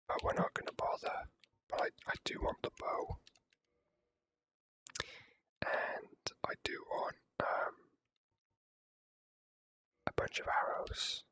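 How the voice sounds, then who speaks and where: The creator stays in a soft whisper throughout this gaming ASMR commentary, its tone bright and crisp rather than voiced. An easygoing, unhurried style comes with occasional mild swearing.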